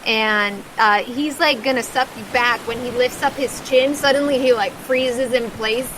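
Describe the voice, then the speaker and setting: A woman's voice: a little high, fairly even intonation, normal speed, background noise. A woman game master improvising casual, conversational narration for a tabletop game, often saying "like". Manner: conversational, peppered with "like".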